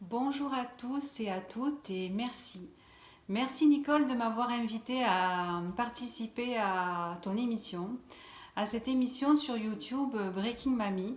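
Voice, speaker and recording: A woman speaks at a very slow pace with a southern French accent and a fairly high pitch, showing ordinary pitch variation. Audible room echo and noticeable background noise surround her voice. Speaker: hypnotherapist. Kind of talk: recorded video self-introduction.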